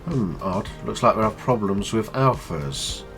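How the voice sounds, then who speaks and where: A man with a stuffy nose from a cold, explaining a video game in a chatty, low-key tutorial. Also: animated, a little slow, over music. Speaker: gaming channel host.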